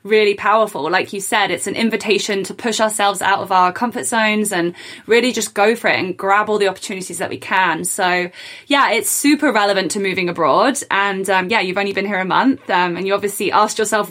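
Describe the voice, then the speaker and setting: A woman's voice: medium pitch, fairly quick, fairly bright tone. A woman hosting a podcast, chatting in an upbeat, enthusiastic way. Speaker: podcast host. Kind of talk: casual interview chat.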